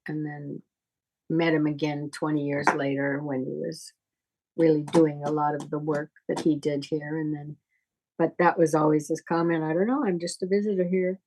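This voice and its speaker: A middle-aged woman teaching informally in conversation, explaining things in a halting, deliberate, reflective way. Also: sits low, flat delivery, darkish tone, poor audio. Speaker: astrology teacher.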